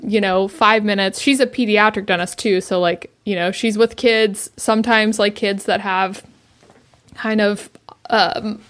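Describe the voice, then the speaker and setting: A young woman with a mid-range voice chats easily on a podcast. She tells anecdotes in a loose conversational flow and often pauses on "like" and "you know.". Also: medium pitch, steady tone, fairly bright tone. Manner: conversational, storytelling, frequent fillers. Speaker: podcast co-host. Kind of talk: casual chat.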